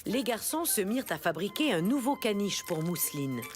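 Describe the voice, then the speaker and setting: A woman narrating a children's cartoon like a storybook, in an expressive storytelling manner. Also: mid-range voice, normal speed, close to an everyday voice.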